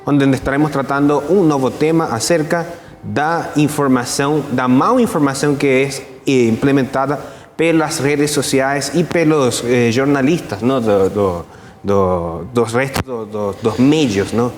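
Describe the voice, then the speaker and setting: A man's voice: mid-range voice, unhurried, in a large hall, a little hiss or hum. A man co-hosting an interview show, introducing the topic with stumbling restarts. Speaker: co-host.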